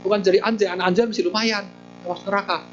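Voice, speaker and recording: A man's voice: high voice, steady tone, fast talker, a bit bright, highs cut off, faint music behind. A man voicing the Buddha as a firm, lecturing teacher who scolds a disrespectful man. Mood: stern. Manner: firm, lecturing, matter-of-fact.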